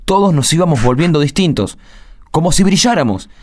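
A man's voice: fairly high pitch, expressive, fairly quick, a little mellow, close to an everyday voice. Earnest young expectant father played by a man. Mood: thoughtful, moved. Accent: Argentine. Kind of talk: radio drama acting.

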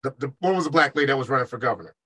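A man's voice: medium pitch, expressive, racing, bright, forceful tone, rough recording. A man hosting a radio talk show, pressing his co-host with probing questions, interrupting and teasing. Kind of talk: heated talk-radio debate.

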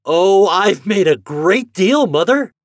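A man's voice: a little high, big pitch swings, normal speed, no room sound, studio quality, voice pushed up. A man voicing an eager, jolly farm boy in a storybook, speaking in rustic old-time country dialect. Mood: excited, proud. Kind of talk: storybook character voice.

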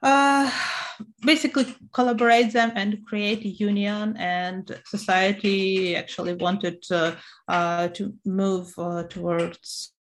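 A woman in her thirties with a Ukrainian accent, speaking at a slow, unhurried pace with a mid-range voice. She answers interview questions hesitantly and fills the gaps with many fillers. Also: medium pitch, level tone, a little hiss or hum. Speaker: interview guest.

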